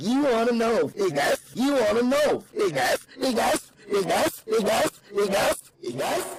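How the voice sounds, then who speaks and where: In a put-on character voice, the speaker talks fairly slowly and in a fairly high pitch with hardly any pauses. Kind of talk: falsetto.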